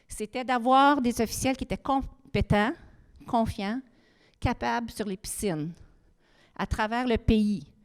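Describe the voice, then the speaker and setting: A woman with an English accent speaks at a fairly high pitch with ordinary pitch variation. The sound is dry and close with no echo, and the recording is very clean with a silent background. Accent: English-speaking accent in French. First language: English (speaking French). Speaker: swimming official and committee leader. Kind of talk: presentation. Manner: halting, with frequent hesitations.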